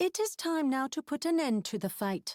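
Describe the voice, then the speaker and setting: On a very clean recording with a silent background, a female-sounding, put-on character voice speaks at a high pitch in a calm tone, with very wide pitch swings. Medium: read story. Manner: calm, formal, no contractions.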